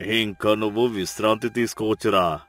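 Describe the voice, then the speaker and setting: A man's voice: lowish voice, steady tone, normal speed, fairly bright tone, soft background music, lightly acted. A man voicing a proud, encouraging older village farmer who gives advice in a storybook tale. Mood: pleased. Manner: encouraging, advising. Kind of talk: storybook character dialogue.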